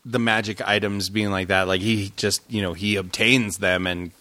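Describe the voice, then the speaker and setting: A man's voice: on the low side, steady tone, moderate pace, bright, forceful tone. A man co-hosting a podcast, chatting in a laid-back, rambling way and laughing often. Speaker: podcast host. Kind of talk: casual chat.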